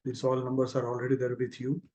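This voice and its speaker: A man's voice: mid-range voice, completely flat delivery, fast talker, a little mellow. A man with an Indian accent giving a company results presentation as an executive on a conference call, speaking informally. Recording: muffled, lo-fi conference call audio.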